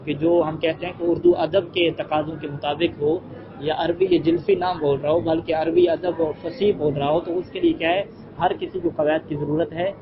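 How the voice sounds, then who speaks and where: A male teacher lecturing a class, explaining an Arabic text line by line, answering his own questions and reading the Arabic slowly. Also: on the high side, fairly even intonation, a crowd in the background. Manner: asks rhetorical questions and answers them, reads Arabic phrases slowly. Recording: muffled with heavy background noise.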